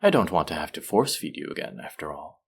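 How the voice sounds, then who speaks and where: Audio drama villain, male actor: low-pitched, possessive captor, measured and coaxing, smoothly condescending. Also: big pitch swings, exaggerated voice. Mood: smug, coaxing. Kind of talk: scripted roleplay audio drama.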